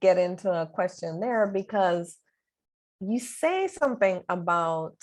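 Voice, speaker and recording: A woman's voice: on the low side, lively intonation, unhurried, darkish tone. A woman interviewer in a conversational public talk, speaking reflectively and appreciatively as she feels out questions.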